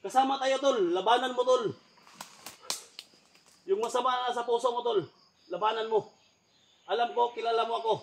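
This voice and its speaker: A man with a fairly high voice speaks outdoors on a mountain. He calls out loudly and pleads in an urgent, soothing way, repeating himself to calm someone down. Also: normal speed, vocal fry, pauses often, slight background noise. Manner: loud calling, then soothing and urgent pleading. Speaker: paranormal hunter vlogger. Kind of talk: calling out and pleading in an outdoor search.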